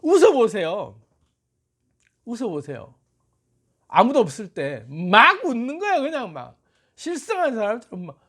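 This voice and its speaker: Playful, laughing man with lively pitch. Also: a little slow, pauses often. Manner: playful, animated, laughs often, urging listeners. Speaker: motivational speaker. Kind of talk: motivational talk to camera.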